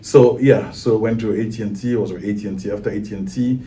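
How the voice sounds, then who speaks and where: A man's voice: on the low side, steady tone, fast, dark tone, distant mic. A man from Cameroon, a guest in a casual talk, speaking with many fillers and restarts. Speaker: guest, IT project manager.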